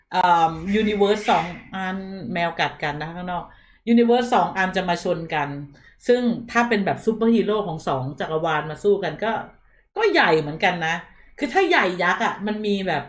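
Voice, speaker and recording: Woman host, casual live-stream chatter, mid-pitched, recorded in a roomy space. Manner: chatty, reads out viewer chat.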